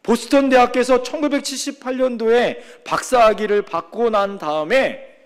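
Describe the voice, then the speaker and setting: A male pastor preaches a Sunday sermon in a notably high voice for a man. He speaks with strong emphasis and keeps drawing responses from the congregation. The delivery is lively and direct. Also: moderate pace, clean tone. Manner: emphatic, often prompts the congregation with "예?".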